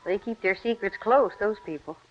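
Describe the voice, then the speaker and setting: An actress playing a loving farm wife who speaks with concern and gentle skepticism, in an old radio drama. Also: female voice, medium pitch, normal speed, lightly acted. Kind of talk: 1940s radio acting. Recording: dull lo-fi old radio recording.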